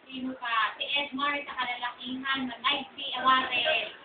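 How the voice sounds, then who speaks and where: A woman teacher talks to her pupils at a graduation, fond but scolding, and keeps asking "ha?" to check that they follow. She is caught from far off on a tinny home video, in an echoey space. Loud crowd noise fills the background. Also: high voice, level tone, measured pace. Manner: fond, scolding, often asks "ha?".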